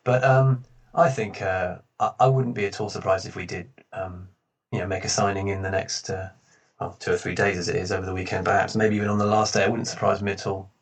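A man, a fan blogger, chatting casually about football in a relaxed, rambling way, with a loud echo on his voice as if he were in a big hall. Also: low-pitched, brisk, husky. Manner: relaxed, rambling, many restarts. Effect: echoey sound like a big hall. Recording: echoey room, far from the mic.

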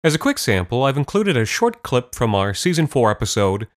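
A man's voice: mid-range voice, sing-song, fairly quick. A man giving a scripted introduction to his audio drama series as its host and performer. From Canada.

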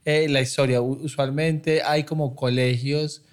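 A man's voice: mid-range voice, fairly even intonation, a little slow, clear, resonant tone. A man from Colombia speaking, co-hosting a podcast and asking questions with frequent hesitations. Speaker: podcast co-host. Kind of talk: casual conversational interview.

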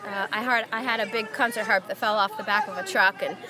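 A woman harpist from Ohio telling her story in a casual interview, friendly and quick to laugh. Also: medium pitch, steady tone, crowd noise. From Ohio, USA. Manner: friendly, laughs easily, answers at length. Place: outdoor festival with crowd.

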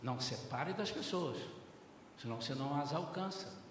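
An older man with a Brazilian Portuguese accent, preaching a sermon as a pastor, lively and acting out conversations while calling the congregation brothers. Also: on the high side, moderate pace, slight background noise. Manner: lively, acts out dialogues, often addresses the congregation as brothers. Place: large church hall. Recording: very echoey hall, heard from far off.

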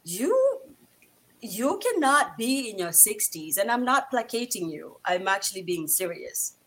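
A woman's voice: mid-range voice, very animated, a little slow, breathy edge. A woman hosting a casual interview, chatting in an effusive, playful and reactive way. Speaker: host.

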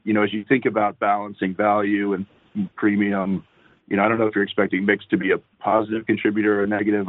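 Male analyst, low and flat delivery, dry telephone sound, posing a business question. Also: no room sound. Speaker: financial analyst. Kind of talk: earnings call question. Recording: dry, tinny phone line.

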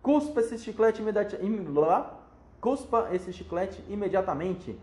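Man playing a blustering dad, loud commanding, raised pitch, roomy echo. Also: lively intonation, unhurried. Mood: alarmed. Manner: bellowing, commanding. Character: blustering proud middle-aged father.

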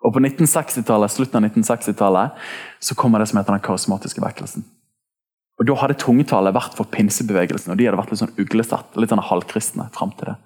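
A man's voice: fairly low pitch, darkish tone, husky. A man preaching a sermon as a church pastor, talking casually and with energy, mixing slang into his preaching.

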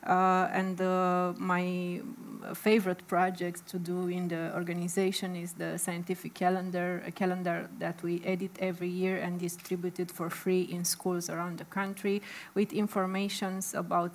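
A woman with a Romanian accent speaks informally on a panel. Her voice is a little low, and her intonation stays very flat and even. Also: gravelly, a little hiss or hum. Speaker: panel guest, association representative. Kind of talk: informal self-introduction at a panel.

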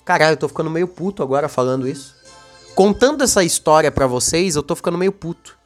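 A man's voice: on the high side, expressive, fast, soft background music. A young Brazilian man hosting a casual solo podcast, talking in a heated, slangy way and repeating himself as he gets worked up. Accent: Brazilian Portuguese. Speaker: podcast host.

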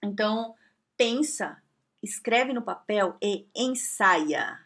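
A woman's voice: mid-range voice, lively intonation, slow pace, fairly bright tone. A woman giving casual, chatty advice and acting out little dialogues. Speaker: advice giver.

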